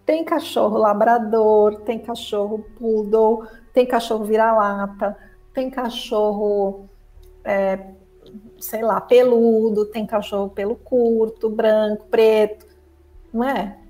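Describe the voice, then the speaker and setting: A woman from Brazil, giving a spiritual talk to her viewers as a teacher and therapist, lively and expressive, acting out the inner voice of the mind. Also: a little high, takes it slowly, low-quality recording.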